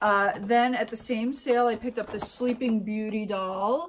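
There is noticeable background noise behind a woman. Her intonation is fairly even. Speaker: online reseller. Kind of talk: casual vlog chat. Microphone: phone near.

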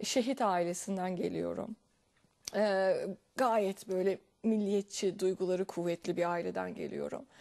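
A woman's voice at a medium pitch with a dark, mellow tone, fairly even intonation and a fairly slow pace, set against a quiet background. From Istanbul, Turkey; Turkey. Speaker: interview guest. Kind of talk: testimony. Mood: calm, reflective storytelling. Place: studio. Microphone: lapel.

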